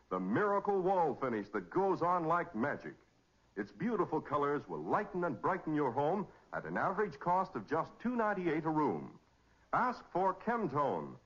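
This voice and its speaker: An American man announces for 1940s radio with polished, emphatic salesmanship. His voice is fairly high and swoops with lively intonation. It comes through a dull vintage recording. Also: breathy edge.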